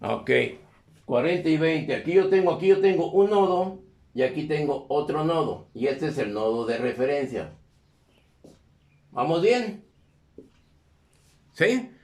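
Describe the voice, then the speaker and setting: A male teacher giving a live electronics class, often pausing to ask students if they follow. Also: on the high side, lively intonation, a little mellow. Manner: constantly checks in with questions to the class. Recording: echoey classroom.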